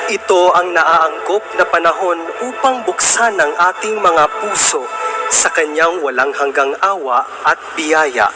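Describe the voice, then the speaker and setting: A man with a Filipino accent hosting a religious broadcast, reading solemn, measured narration in a reverent manner. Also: a little high. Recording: background music under the voice. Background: music.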